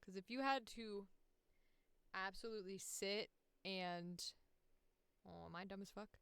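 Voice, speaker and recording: A woman livestreamer with a clear, smooth voice captured close and dry. She talks casually about her work as a voice actor, slangy and freely swearing, with a passionate delivery at an unhurried pace. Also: medium pitch, fairly bright tone, dry recording. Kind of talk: casual livestream chat while working.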